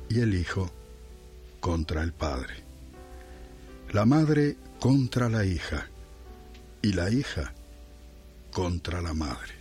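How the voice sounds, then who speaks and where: A man's voice: low-pitched, a little mellow. An actor playing a disillusioned elderly male pensioner in a radio drama. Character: elderly male pensioner, reluctant, disillusioned, reads scripture solemnly.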